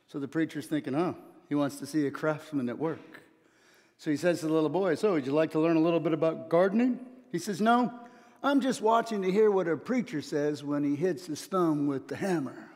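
A middle-aged man preaching a sermon from a church stage, telling stories and swinging from soft asides to loud emphasis. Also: fairly high pitch. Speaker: pastor. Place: church stage, large hall. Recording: long church hall reverb.

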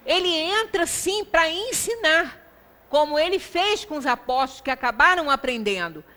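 A woman's voice: high-pitched, lively intonation, normal speed, pushed and bright. A middle-aged Brazilian woman giving a religious lecture in an explanatory, conversational way, emphatic, often checking in with short tag questions. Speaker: lecturer at a Spiritist center. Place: small indoor lecture room. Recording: reverberant meeting room, distant microphone.

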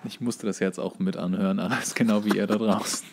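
A man's voice: on the low side, steady tone, quick pace, darkish tone. A man chatting as a podcast co-host in a wry, jokey, informal style. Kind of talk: casual comedic podcast chat.

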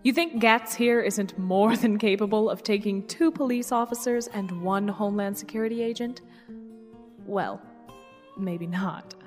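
A woman's voice: medium pitch, unhurried, a little mellow, natural voice. An actress playing a condescending female villain in command, politely mocking, in an audio drama. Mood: smug, teasing. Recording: long reverberant hall, faint music underneath.

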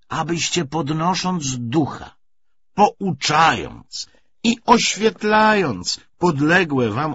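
A sly Bolshevik official acted out by a male audiobook reader holds forth pompously in a husky voice. His delivery is slow and swings widely as he pauses and swells. The recording is slightly dull. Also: medium pitch, a bit bright, pitched above the performer's own voice, exaggerated voice. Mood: solemn, rousing. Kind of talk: audiobook character speech.

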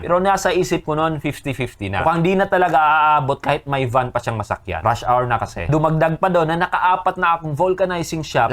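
A man's voice: on the high side, fairly bright tone. Filipino man narrating a casual vlog review. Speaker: motorcycle vlogger reviewing gear.

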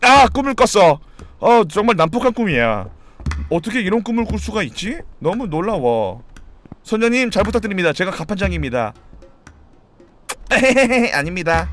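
Excitable, high-voiced man streamer. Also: moderate pace, slight background noise. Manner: excitable, swears a lot, jokey. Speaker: game streamer. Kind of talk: live gameplay commentary. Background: game music.

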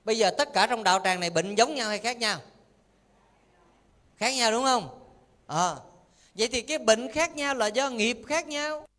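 A high-voiced male monk preaching. He teases the listeners with quick questions and keeps his sermon lively and playful. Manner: lively, teasing questions to the audience. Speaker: Buddhist monk teacher. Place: temple hall.

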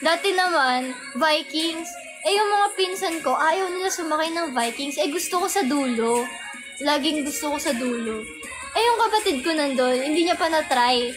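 A young woman hosting a casual livestream, telling a story in a chatty way and giggling often. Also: high-pitched. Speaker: livestream host. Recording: music playing in the background. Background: background music.

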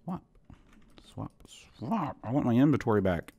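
A man's voice: mid-range voice, very animated, normal speed, vocal fry, muffled recording, heavy background noise. A man in his thirties, a bit sick and losing his voice, rambling casually to viewers while playing a Minecraft game. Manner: rambling, self-deprecating, talks to viewers. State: sick, voice going hoarse. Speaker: gaming channel host. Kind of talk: casual Minecraft let's play commentary.

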